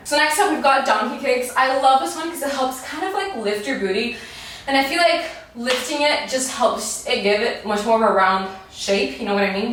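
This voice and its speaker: A woman's voice: high voice, a bit bright, slight background noise. A woman leading a workout in a peppy, encouraging, casual way, exerting herself as she talks. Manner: exerting herself while talking. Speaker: fitness coach leading a workout. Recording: echoey room, distant microphone.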